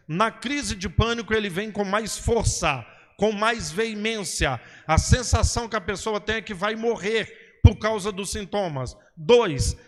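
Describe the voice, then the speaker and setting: Male preacher, high voice, didactic question-and-answer sermon delivery, long hall reverb. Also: fairly bright tone. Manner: didactic, repeats "ok?" and "entendeu?", asks and answers his own questions. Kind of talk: sermon-style teaching talk.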